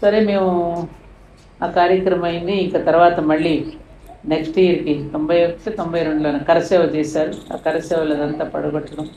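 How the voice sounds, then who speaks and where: A woman's voice: low voice, fairly even intonation, normal speed, warm tone, echoey room, a little hiss or hum, poor audio. Impassioned older woman telling a story. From India. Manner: impassioned, rising to emphatic peaks. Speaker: guest speaker. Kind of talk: storytelling in an interview.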